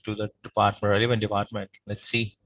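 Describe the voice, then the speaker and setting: A man's voice: on the low side, flat delivery, quick pace, fairly bright tone, dry recording. A man co-hosting an online class on a video call, giving brief, agreeable replies. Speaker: class co-host. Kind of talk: casual chat on a video call.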